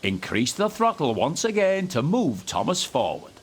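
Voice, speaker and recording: Slightly high-voiced, with huge pitch swings and a normal pace, a man plays the encouraging tutorial narrator in a scripted kids' train game, calmly instructing young train drivers. A faint hiss or hum can be heard.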